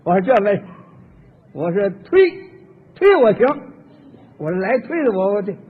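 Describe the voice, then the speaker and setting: A man tells a comic story alone, voicing both sides of every exchange in a high, sing-song, slightly slow voice with a breathy edge. The recording is tinny archival radio with a long hall reverb.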